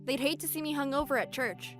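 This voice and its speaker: Woman acting a feisty, high-voiced young woman. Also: fast talker, a bit bright, faint music behind. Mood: brisk, amused. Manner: feisty, emphatic, forthright. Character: outspoken, fiery, stubborn young woman working as cashier. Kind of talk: fan audio drama acting.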